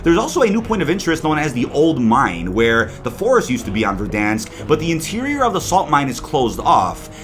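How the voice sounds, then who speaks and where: Man, gaming news host, lively swooping intonation, medium pitch, emphatic scripted commentary, faint music behind. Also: fairly quick, few pauses. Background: background music.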